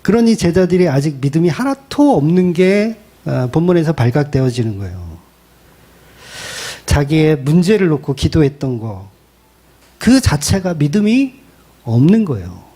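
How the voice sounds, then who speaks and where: A male pastor preaching with an animated, colloquial delivery and dramatizing the lines he quotes. His voice sits fairly high and swoops widely in pitch. The tone is mellow rather than bright. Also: normal speed. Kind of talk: sermon.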